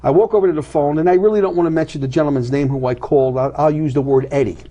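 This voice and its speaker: A man's voice: on the high side, rapid-fire, warm tone, muffled recording. A middle-aged man, a guest on a TV talk show, telling an emotional personal story and acting out what each person said. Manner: dramatic, acts out each person's lines in the retelling. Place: TV studio.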